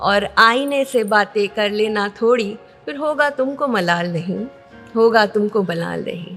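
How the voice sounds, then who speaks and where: A woman talks with lively intonation. Music plays in the background. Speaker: poet. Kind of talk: poetry reading. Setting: open mic stage.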